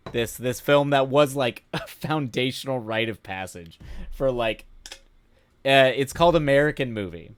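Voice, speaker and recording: A medium-pitched man hosts a casual live stream on a dry recording, rambling, restarting haltingly and laughing often as his voice starts to go hoarse.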